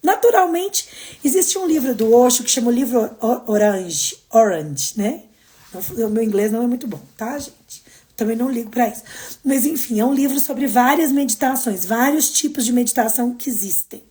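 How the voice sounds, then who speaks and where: A woman with a Brazilian Portuguese accent, hosting a casual motivational live stream, expressive and moving between emphatic and soft delivery. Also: fairly high pitch, moderate pace. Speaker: host of daily live streams.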